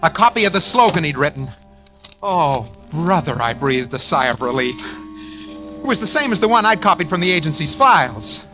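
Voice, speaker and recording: A man's voice: fairly high pitch, very animated, moderate pace, pushed and bright. An actor playing a nervous, scheming man who narrates his own story in tense, hard-boiled style in a 1940s radio drama. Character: nervous scheming man posing as someone else. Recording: old radio broadcast with music.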